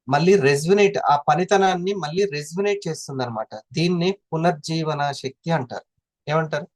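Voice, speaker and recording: A man's voice: fairly high pitch, dry recording. A man explaining in a classroom style, constantly asking his listeners questions. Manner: asks the audience questions often. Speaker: presenter explaining health products.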